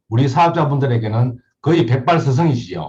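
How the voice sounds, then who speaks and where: A man talks at a fairly quick pace with lively intonation and medium pitch. His voice is somewhat breathy. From Gyeongsang, South Korea (Gyeongsan, North Gyeongsang). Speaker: network marketing instructor. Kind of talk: lecture. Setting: video call.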